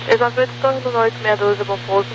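A man's voice: very high-pitched, steady tone, fast talker, muffled recording. A Brazilian man working as an air traffic controller, giving terse, clipped calls heard over a two-way radio. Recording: noisy radio transmission from afar.

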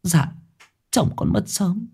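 A man's voice: high voice, lively intonation, takes it slowly, gravelly, mellow, husky, pitched above the performer's own voice, heavily acted. A man voicing a grieving village widow who pleads for help. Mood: pleading. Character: grieving village widow, middle-aged woman.

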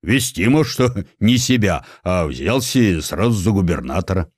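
A man's voice: low-pitched, expressive, unhurried, a little mellow, breathy edge, no echo, studio quality, exaggerated voice. A man voicing a simple, gossipy doorman who tells his tale in a folksy, colloquial way for a radio play. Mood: gossipy, mock-solemn. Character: folksy male doorman, gossipy simple servant telling tales.

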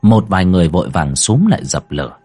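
A man narrating a ghost story in a dramatic, expressive storytelling manner. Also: low-pitched, fast, husky, soft background music.

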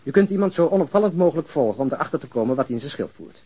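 A man acting in a crime audio drama as an earnest, principled police detective, blunt and probing, speaking deliberately. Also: on the high side, lively intonation, mellow, husky. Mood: serious, probing. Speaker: actor in a radio drama.

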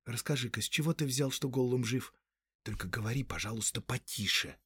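A man voicing a gentle, cautious young male hobbit who talks in a calm, hushed way. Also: a little fast, slightly rough, no echo. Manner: hushed, calm, low-voiced.

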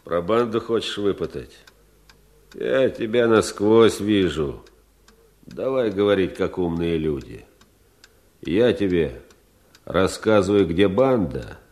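A sly, insolent bandit from a radio drama. The voice is on the low side and takes its time over each phrase, mocking and familiar. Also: male voice, lively intonation, slow, long pauses, darkish tone, full character voice. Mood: sly bargaining. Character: sly, insolent captured bandit bargaining for his life. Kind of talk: Russian radio drama acting.

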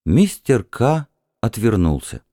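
A man narrating a literary story in a measured, expressive storytelling manner. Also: on the low side, no room sound, studio quality. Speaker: audiobook narrator.

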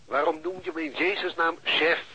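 Very raspy, bullying police chief. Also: male voice, a little high, sing-song, moderate pace, heavily acted, low-quality recording. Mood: brisk, pushy. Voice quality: raspy, sharp. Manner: hectoring, insistent. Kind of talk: Dutch radio drama acting.

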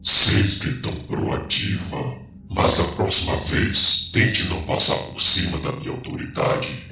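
Casting: a pompous audio-drama overlord, extremely low, forceful and menacing. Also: male voice, steady tone, exaggerated voice. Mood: smooth menace. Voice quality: gravelly. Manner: pompous, deliberate. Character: menacing commanding male villain overlord, slow and condescending. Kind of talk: audio drama villain acting. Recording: roomy reverb over music bed.

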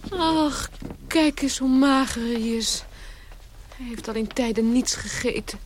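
An actress playing a gentle, earnest young daughter in a radio play. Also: female voice, fairly high pitch, measured pace, slight background noise, close to an everyday voice. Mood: pitying. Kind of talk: 1960s radio play acting.

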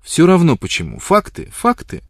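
A man's voice: on the high side, huge pitch swings, normal speed, no echo, studio quality, pitched above the performer's own voice. A man voicing a bold, teasing young woman in an audiobook reading, with a light, mocking delivery.

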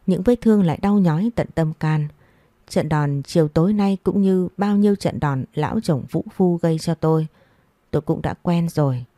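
A woman telling a sorrowful first-person story in measured scripted narration. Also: low voice, mellow, no echo.

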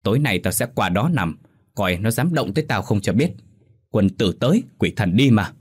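A man's voice: on the low side, expressive, normal speed, darkish tone, husky. A man voicing an arrogant middle-aged village official who bosses people around in a spoken ghost story. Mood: scoffing. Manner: blustering, bossy.

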